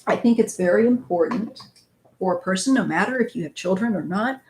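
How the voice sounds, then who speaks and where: In a rough recording with a little hiss or hum, a northwest Missouri woman in her fifties sounds animated and brisk, her medium-pitched voice a little mellow. As a tarot channel host reading live chat, she rambles casually and chats with viewers she calls "you guys."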